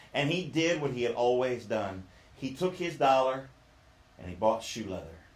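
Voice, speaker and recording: With a strong Southern US accent and lively intonation, a man of medium pitch speaks at a moderate pace amid audible room echo. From US South. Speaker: magician storyteller. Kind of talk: storytelling performance.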